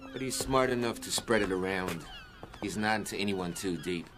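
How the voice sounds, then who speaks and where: An actor as a low-voiced shady informant. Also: male voice, moderate pace, noisy background, lightly acted. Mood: matter-of-fact.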